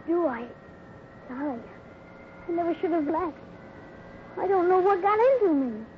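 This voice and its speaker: A woman's voice: very high voice, expressive, unhurried. A woman playing an earnest young cowboy boy with breathless exclamations in a 1950s radio adventure. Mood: relieved, contrite. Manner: breathless, gee-whiz exclamations. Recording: tinny, faintly noisy 1950s radio recording.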